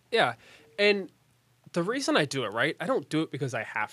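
Speaking with an American accent, a man has a high pitch and a bright, sharp tone. The recording is very clean with a silent background and a dry, close sound with no echo. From West Virginia, Eastern Panhandle. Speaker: real estate agent, former college baseball player. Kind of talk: casual interview.

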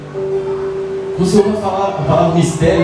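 With music in the background and audible room echo, a man speaks in a high voice. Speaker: pastor. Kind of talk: sermon. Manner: casual slangy preaching. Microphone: voice cutting out.

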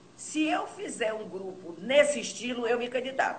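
At a fairly slow pace, a woman with a fairly high pitch uses lively intonation amid audible room echo. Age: 70s. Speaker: sports radio reporter. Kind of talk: casual interview chat. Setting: online live stream.

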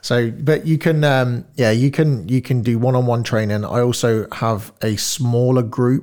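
A man with an ordinary speaking voice, medium pitch, a moderate pace, hardly any pauses, fairly even intonation and very even loudness, in a very clean recording with a silent background. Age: 30s. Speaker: ketogenic influencer and coach, former soldier. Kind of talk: casual chat. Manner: jokey, laughs often.

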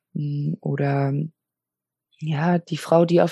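Speaking at a very slow pace, a woman's somewhat breathy voice carries a dark, mellow tone and fairly even intonation, the sound dry and close with no echo. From Baden, southwestern Germany. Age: 30s. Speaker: Instagram creator and tattooed model. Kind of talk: casual interview.

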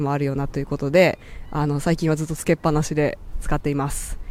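A woman talks at a very fast pace. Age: 30s. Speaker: YouTuber and podcast host. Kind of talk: casual monthly recap monologue. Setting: outdoors on a rooftop.

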